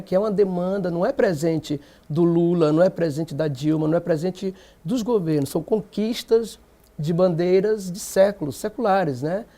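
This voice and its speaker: A man's voice: high-pitched, dark tone. A Brazilian man, an activist guest on a TV panel, arguing emphatically with rhetorical questions. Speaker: black movement activist guest. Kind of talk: TV panel debate.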